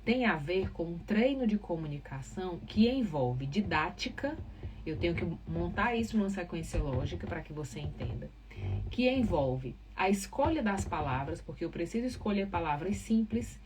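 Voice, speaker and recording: Distant-sounding, low-voiced Northeastern Brazilian woman. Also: animated, normal speed. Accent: Northeastern Brazilian, from Ceará. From Ceará, northeastern Brazil. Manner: didactic, emphatic on key words. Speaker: live podcast host, communication professional. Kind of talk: informal explanatory talk to live viewers. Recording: distant mic, clear background noise.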